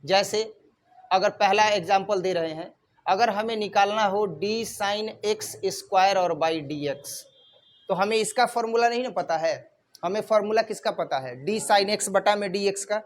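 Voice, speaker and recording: A man with a north Indian Hindi-speaking accent teaches a maths class at a whiteboard. His voice sits high for a man. He keeps putting questions to the class and then answers them himself, going over each term again. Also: a little slow. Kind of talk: whiteboard lecture.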